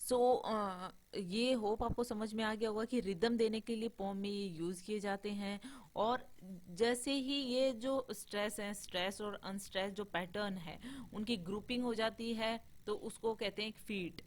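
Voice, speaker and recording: A woman's voice: mid-range voice, a little slow. A woman teaching an online class on poetic meter, mixing English terms into her explanation, with frequent filler sounds and restarts.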